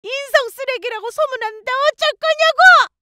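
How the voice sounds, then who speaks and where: A woman voicing a bossy, spiteful older mother-in-law who yells and scolds in a shrill voice. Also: moderate pace. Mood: furious.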